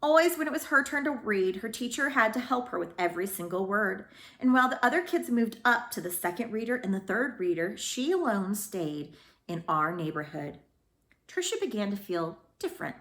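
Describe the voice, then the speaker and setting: A woman speaking as a school librarian who reads storybooks aloud to children in an expressive way. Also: medium pitch, normal speed, echoey room. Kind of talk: storybook read-aloud with informal introduction.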